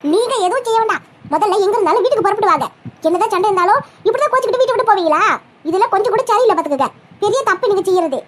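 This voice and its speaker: Woman voicing anxious young cartoon fiancée, very high and rapid, fretful, pleading. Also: expressive, slight background noise. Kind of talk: cartoon comedy voice acting.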